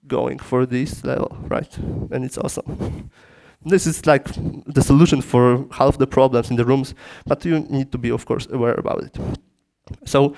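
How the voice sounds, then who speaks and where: A man with a Polish accent giving a technical lecture in a conference room through a PA system, in halting English with frequent restarts. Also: mid-range voice, a little mellow. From Poland. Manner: halting non-native phrasing with frequent restarts.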